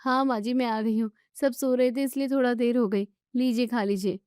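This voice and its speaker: A woman voicing a kind, dutiful young daughter-in-law who speaks earnestly and gently. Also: a little high, fairly even intonation, moderate pace, smooth, dry recording, clean studio sound, natural voice. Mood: gentle. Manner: pleading, earnest.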